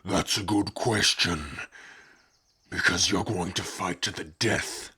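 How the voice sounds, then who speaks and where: A man voicing a scheming, mocking older orc chieftain with a rough, gravelly voice, theatrical and boastful, in an ASMR roleplay. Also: low-pitched, takes it slowly, pushed and bright, full character voice. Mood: gleeful menace.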